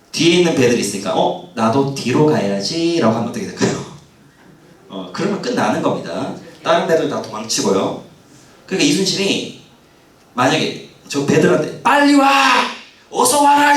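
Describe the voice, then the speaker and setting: Male lecturer, lively and questioning, slightly high voice, picked up from a distance in a roomy hall. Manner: animated, asks audience questions, acts out quoted lines. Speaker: history lecturer. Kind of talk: lively public history lecture.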